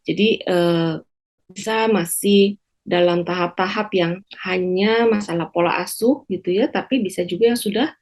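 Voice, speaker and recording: A woman psychiatrist explaining slowly on a talk show, with frequent pauses and fillers. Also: lowish voice, darkish tone. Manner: measured, many hesitation fillers. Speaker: psychiatrist guest.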